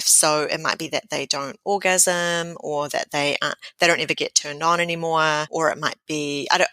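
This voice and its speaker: A woman's voice: deep voice, bright, forceful tone, no room sound, low-quality recording. A middle-aged woman with a New Zealand accent, a sex therapist speaking frankly and at length as a podcast guest. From born in the Philippines, raised around the world. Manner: frank, thoughtful, explains at length. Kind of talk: podcast interview.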